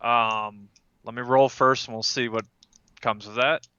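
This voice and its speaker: A man's voice: medium pitch, steady tone, a little slow, pushed and bright, smooth, dry recording. A man playing a tabletop game, talking casually as a player on a slightly muffled recording.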